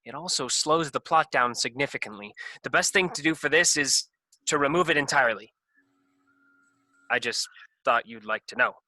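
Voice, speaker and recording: A man acting as a self-important doctor in a comedy sketch, very bright and forceful, recorded close and dry. He fumbles, then turns grave and bossy with melodramatic weight. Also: medium pitch, normal speed, no room sound. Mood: clinical. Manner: hesitant stammer turning to bossy, melodramatic gravity. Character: flustered, self-important male doctor who operates on scripts. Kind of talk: comedy sketch staged reading.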